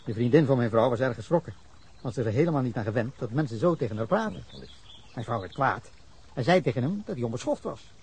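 In a Dutch radio drama, an actor plays a defensive middle-aged man telling police about a drunken fight in an angry, rambling way. His mid-range voice is animated, fast, a little mellow, and slightly rough. The account is indignant throughout, with bursts of anger.

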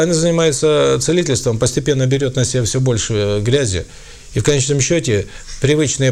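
A spiritual lecturer and author with a slightly mellow, mid-range voice gives a lecture to an audience that includes audience questions. He sounds hesitant, with frequent fillers and restarts.

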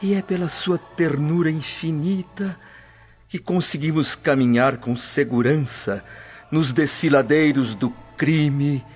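Man voicing early christian preacher, solemn, slow and measured, muffled recording, faint music. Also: on the high side. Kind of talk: sermon-like radio drama speech. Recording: muffled audio with background music.

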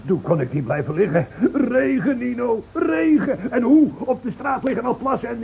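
An actor playing an exuberant, earthy villager in a Dutch radio drama. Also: male voice, very high voice, big pitch swings, normal speed, vocal fry, breathy edge, heavily acted. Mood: elated. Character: exuberant rain-drunk villager, earthy and dismissive. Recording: dull, faintly noisy old radio recording.

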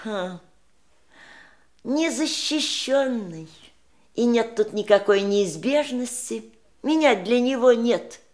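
An actress playing a dying man's wistful, sharp-witted mistress in an audio drama, theatrical and searching, with pointed irony. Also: on the high side, animated, takes it slowly, pauses often. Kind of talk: stage-style audio drama acting.

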